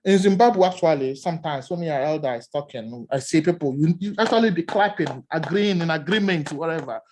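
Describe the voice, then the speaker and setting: A man with a Nigerian accent, giving animated seminar remarks as an academic discussant and telling stories with many repeated words. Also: on the high side, a little fast, a little hiss or hum.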